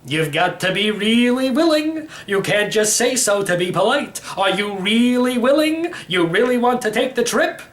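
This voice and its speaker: A man's voice: sits high, sing-song, moderate pace, hardly any pauses, a bit bright. A man voicing an elderly, slightly crazy uncle in a storybook, rambling and teasing with theatrical emphasis. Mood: excited, urging. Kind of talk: acted storybook reading.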